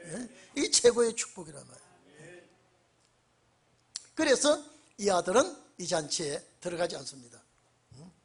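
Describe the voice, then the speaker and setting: A male pastor giving an evening church sermon, emphatic and prodding his congregation with repeated questions, swinging between loud bursts and quiet low phrases. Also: very animated, moderate pace, long pauses, breathy edge. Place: church sanctuary during an evening service.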